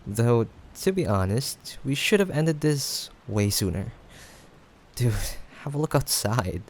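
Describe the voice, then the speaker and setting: A young man playing a playful, caring friend in a casual improvised audio roleplay, teasing yet reassuring, with hesitant pauses. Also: mid-range voice, expressive. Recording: faint background noise, rain ambience. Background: rain sound effects.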